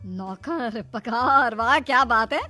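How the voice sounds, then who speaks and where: A woman playing a sharp-tongued, scolding mother-in-law in a family skit. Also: fairly high pitch, takes it slowly, faint music behind. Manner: taunting, scolding.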